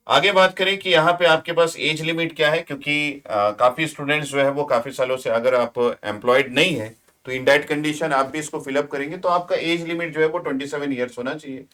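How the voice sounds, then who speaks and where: A man's voice: fairly high pitch, fairly bright tone. A man with an Indian accent teaching exam aspirants in an informal, explanatory lecture style, mixing in English phrases.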